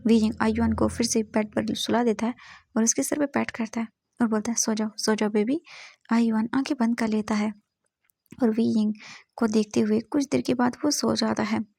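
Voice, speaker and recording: A woman's voice: a little high, flat delivery, moderate pace, vocal fry, dark tone, husky, no room sound. Woman casually retelling a fanfiction. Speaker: fanfiction narrator. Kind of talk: storytelling narration, Hindi mixed with English.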